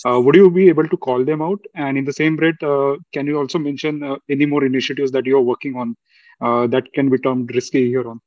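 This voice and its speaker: A man speaking as a financial analyst, asking halting questions on an earnings call over a conference line. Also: mid-range voice, steady tone, a little mellow, no room sound. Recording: dull, slightly distant conference line.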